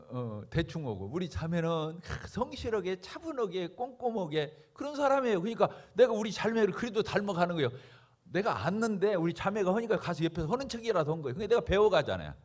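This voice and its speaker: Delivering a sermon to his congregation, a high-voiced pastor speaks with emphasis and asks one rhetorical question after another.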